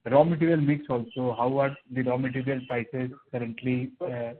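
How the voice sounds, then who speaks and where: A man's voice: medium pitch, fairly even intonation, normal speed, a little hiss or hum. A man with an Indian accent asking deferential questions as a caller on an earnings call over the phone. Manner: deferential, often saying sir. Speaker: caller, investor or analyst. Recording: tinny narrowband phone line.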